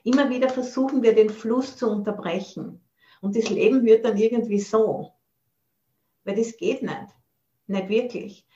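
A woman's voice: fairly high pitch, normal speed, warm tone, highs cut off. A woman giving a Buddhist dharma talk over a video call, thoughtful and searching for words. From Austria. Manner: thoughtful, searching for words, mixes in English phrases. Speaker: Buddhist nun teacher.

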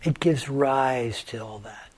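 A man in his seventies leading a guided meditation, gentle and unhurried, with long pauses between phrases. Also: mid-range voice, slightly rough. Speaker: meditation teacher.

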